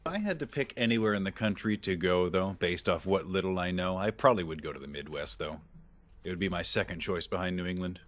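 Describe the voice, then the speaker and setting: Deep-voiced young guy, dry tone. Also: expressive, fast, fairly bright tone. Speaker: gaming group member. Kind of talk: casual voice chat.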